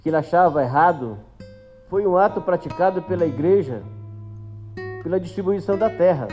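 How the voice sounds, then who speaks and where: A man's voice: high voice, animated, a little fast, darkish tone. A Brazilian man giving personal testimony in a dull recording. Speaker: victim's grandchild giving testimony. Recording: dull audio, faint guitar music.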